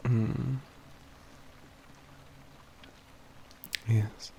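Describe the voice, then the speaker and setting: A man's voice: fairly low pitch, level tone, vocal fry, dark tone, a little hiss or hum, heavily acted. A man playing a composed, learned mage companion in a fantasy ASMR roleplay, speaking in formal, old-fashioned phrasing with a dry, teasing wit. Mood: wry, thoughtful. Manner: measured, formal old-fashioned wording, dryly wry.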